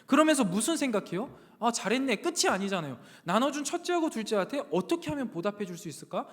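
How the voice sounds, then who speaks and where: A man's voice: very high-pitched, very animated, fast talker, a bit bright. A man in his thirties, a pastor giving a sermon to young adults, telling a family story and acting out his children's voices. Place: church sanctuary. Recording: long reverb of a church hall.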